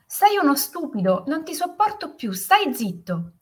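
A woman voicing the echo of a mountain in a spoken story, with a breathy voice. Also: sits high, big pitch swings, slow pace, a bit bright, voice pushed up, exaggerated voice. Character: mountain echo repeating every word.

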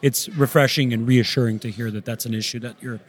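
A man's voice: mid-range voice, steady tone, quick pace. A man co-hosting an interview podcast with casual, informal and encouraging banter. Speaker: podcast co-host.

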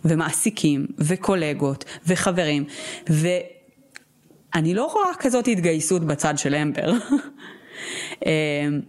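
A young woman co-hosting a podcast in casual chat, talking fast and freely with lots of fillers. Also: sits low, animated, a little mellow. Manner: talkative, quick, with many "like" fillers. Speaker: podcast co-host.

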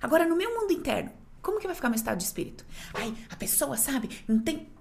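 Lively fast-talking Brazilian woman host. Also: sits high, gravelly. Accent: Brazilian Portuguese. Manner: expressive, emphatic storytelling. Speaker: podcast host. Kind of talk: casual chat.

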